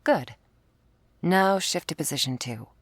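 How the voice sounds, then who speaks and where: A woman's voice: sits low, animated, unhurried, no echo. A woman performing an ASMR roleplay as a commanding, teasing werewolf hunter who instructs the listener. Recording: faint string music behind.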